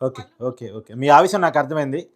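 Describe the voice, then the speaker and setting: A man hosts a live news phone interview. He fires off questions very quickly at a medium pitch.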